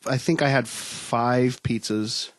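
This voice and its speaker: Young male podcast host with a cold, stuffy nose, deadpan humor, dry booth sound. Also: medium pitch, slow, dry recording. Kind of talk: casual banter.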